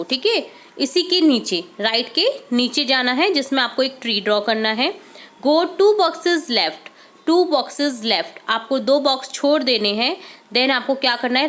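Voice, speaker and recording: A high-pitched woman teacher with an Indian accent walks through worksheet answers. She reads each English line slowly, then explains it in Hindi at an unhurried pace. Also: a bit bright. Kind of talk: workbook solution lesson.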